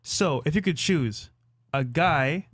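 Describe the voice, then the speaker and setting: A man's voice: on the high side, expressive, slow pace, a bit bright, breathy edge, dry recording. A man co-hosting a podcast, asking the panel questions in an easygoing, casual way. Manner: easygoing, asks questions plainly. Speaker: podcast co-host.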